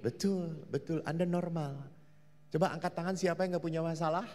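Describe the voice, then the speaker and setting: A man's voice: on the high side, steady tone, a little fast, a little mellow. A man preaching a humorous sermon to a family seminar as a Catholic priest, quizzing the audience. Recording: long hall reverb.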